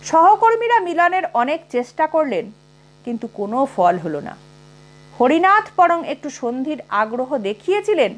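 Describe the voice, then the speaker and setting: A woman narrates a comic short story as an audiobook, with expressive delivery. Her voice sits high and moves through wide, lively rises and falls. A faint mains hum lies beneath the recording.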